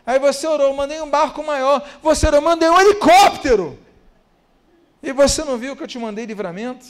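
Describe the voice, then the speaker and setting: A man's voice: very high voice, animated, a little fast. A man voicing God, who patiently lists the help he already sent.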